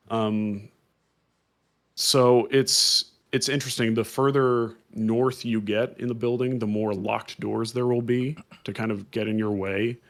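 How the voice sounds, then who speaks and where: A man co-hosting a podcast, explaining things casually at length with many "um"s and restarts. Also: fairly low pitch. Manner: rambling, explanatory, filler-heavy. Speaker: podcast co-host. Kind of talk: casual chat.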